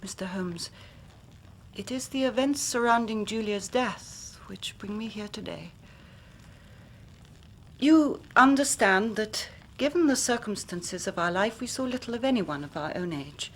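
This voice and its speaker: Helen Stoner, a woman playing a hushed Victorian lady. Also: medium pitch, lively intonation. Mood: grave. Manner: measured formal speech, drops to a hushed whisper. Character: anxious young Victorian woman, grave and formal. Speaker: client telling her story. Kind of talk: period radio drama acting.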